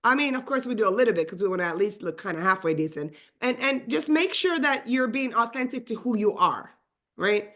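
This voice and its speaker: A woman whose first language is Swedish, leading a live online training session in a fast, energetic and chatty way, full of asides. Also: on the high side. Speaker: real estate trainer.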